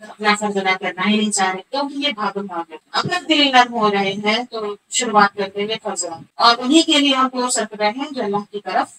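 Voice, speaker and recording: A woman's voice: medium pitch, a little fast, a bit bright, a little hiss or hum, rough recording. A woman religious teacher giving an earnest talk in plain, simple words, with her voice altered to hide who she is. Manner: earnest, repeats phrases, plain simple wording. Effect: voice altered to hide identity.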